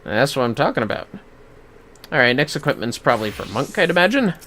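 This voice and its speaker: A game streamer chats casually while playing. The talk is irreverent and sweary, often muttered to themself, with lively shifts in pitch. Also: fast, slight background noise. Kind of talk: casual livestream gameplay commentary.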